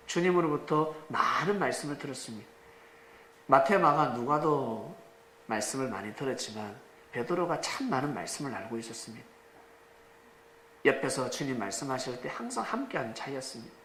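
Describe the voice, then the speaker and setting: A male pastor preaching a sermon with dramatic rises, sudden shouts and rhetorical questions to the congregation. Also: medium pitch, slight background noise. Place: church sanctuary. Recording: echoey church room, faint ambience.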